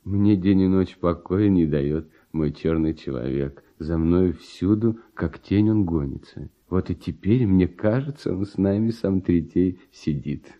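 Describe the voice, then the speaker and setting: An actor playing a troubled, sincere composer in a radio verse drama, confiding uneasily as if haunted by dread. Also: male voice, deep voice, a little slow, hardly any pauses. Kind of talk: theatrical verse dialogue, classic Russian radio play. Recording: dull, muffled old radio recording.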